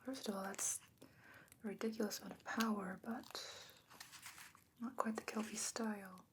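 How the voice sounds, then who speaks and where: A woman playing a thoughtful, learned fantasy sorceress in a soft-spoken, breathy ASMR roleplay, measured and gentle with pondering pauses. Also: mid-range voice, noisy background, natural voice. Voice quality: breathy, whispery, hushed.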